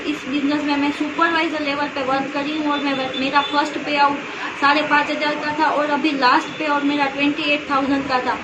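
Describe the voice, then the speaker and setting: A young woman from Kutch speaks in a high, level voice at a steady pace. She sounds echoey, with clear traffic and vehicle noise behind her. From Kutch, Gujarat, India. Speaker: network marketing member. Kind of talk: testimonial self-introduction.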